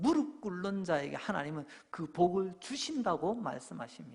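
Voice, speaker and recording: A man with a slight Gyeongsang accent speaks at a fairly slow pace with lively intonation. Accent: slight Gyeongsang dialect slips out. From Gyeongsang Province, South Korea. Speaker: pastor. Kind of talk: sermon.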